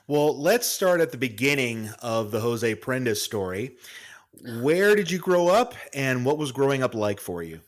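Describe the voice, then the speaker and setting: Podcast host guy, average pitch, calm friendly questions. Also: measured pace. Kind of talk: casual interview questions.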